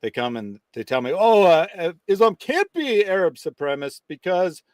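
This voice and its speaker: A man co-hosting a commentary show explains his points in a dry, measured way. His voice sits a little high and rises and falls a lot. The room sounds dry and close. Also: very animated, no room sound. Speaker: co-host. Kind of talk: critical commentary chat.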